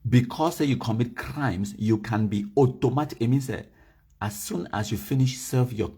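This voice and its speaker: A man's voice: mid-range voice, dark tone, slightly rough. A man from Cameroon with a Cameroonian Pidgin English accent, hosting a live broadcast and reading legal text aloud to his viewers. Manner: mixes Pidgin and English, reads documents slowly and stresses key words; addresses viewers directly, asks them to type comments. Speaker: livestream host.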